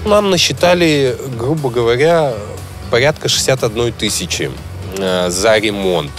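Guy in his 30s outside by a garage, halting, lots of ums, faint music behind. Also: medium pitch, animated. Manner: halting, with many fillers. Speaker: driver interviewed about a crash. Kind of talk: casual interview. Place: outdoors by a car repair yard.

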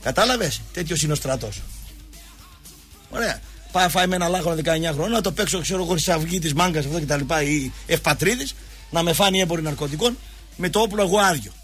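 High-voiced man telling animated stories. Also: soft background music. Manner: animated, acts out dialogue in quotes. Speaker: sports show host. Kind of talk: casual anecdotal storytelling.

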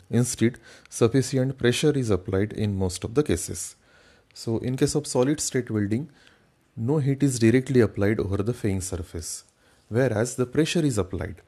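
Mellow-voiced man lecturing on engineering. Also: lowish voice, slightly rough. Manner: methodical, restates each slide point. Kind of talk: slide-based lecture.

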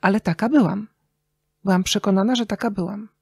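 A woman's voice: medium pitch, a little fast, vocal fry, darkish tone, breathy edge, no room sound. Reflective woman storyteller, closely recorded. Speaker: interview guest, radio journalist and writer. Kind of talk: reflective casual podcast conversation.

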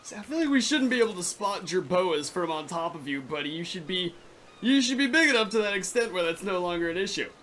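A young man from California with a raspy, sore throat, giving excitable, foul-mouthed gameplay commentary. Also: high voice, fast, slight background noise. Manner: excitable, swears freely. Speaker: gaming YouTuber.

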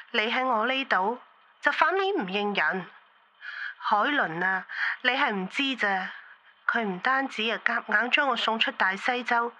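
Woman acting indignant, high-voiced duchess. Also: bright, forceful tone, lo-fi sound. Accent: Hong Kong or Guangdong Cantonese. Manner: scolding, dramatic. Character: indignant young duchess, wronged and accusing.

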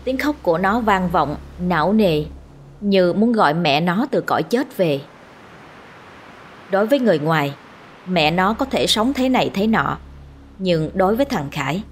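Woman storyteller, somewhat low and breathy, measured ghost story read, faint music under. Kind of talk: scripted ghost story narration.

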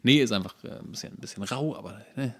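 A man's voice: mid-range voice, quick pace, a bit bright, slightly rough. A man co-hosting a podcast, chatting casually with dry, wry humour. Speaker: podcast co-host. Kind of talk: casual comedic chat.

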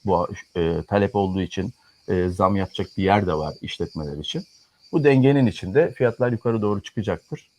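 A man's voice: deep voice, a little fast, warm tone. Argumentative man talking economics. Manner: argumentative, lectures in firm repeated clauses. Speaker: economics commentator. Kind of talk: casual political chat.

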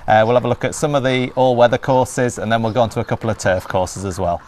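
A man's voice: mid-range voice, steady tone, quick pace, darkish tone, a little hiss or hum. A middle-aged man hosting an interview in an outdoor stable yard, chatty and full of "yeah, yeah". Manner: chatty, frequent "yeah, yeah" and "mm-hmm".

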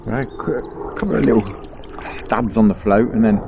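On a riverbank, a middle-aged man from England fishes while chatting casually to himself in a lowish voice at a moderate pace. As an angling vlogger, he keeps things relaxed and chuckles a lot. The recording has outdoor ambience with slight noise.

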